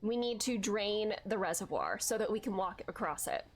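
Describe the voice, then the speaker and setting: Over slight background noise, a woman speaks at medium pitch and a moderate pace while streaming a game for viewers. Her voice sounds congested, and her loose gameplay chatter is packed with "likes" and excited outbursts at her finds.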